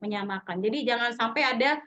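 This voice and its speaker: A woman's voice: a little high, fast, bright, forceful tone, lo-fi sound. A woman giving a conversational online training talk as a business trainer, with frequent tag words and restarts. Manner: conversational, often acts out sample dialogues. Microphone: video call.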